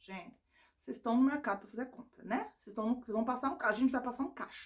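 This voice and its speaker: High and with a bright, sharp tone, a woman's voice comes through over a quiet background. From Brazil, interior of Paraná. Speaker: vlogger. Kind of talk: casual vlog monologue. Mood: complaining, animated. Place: home room.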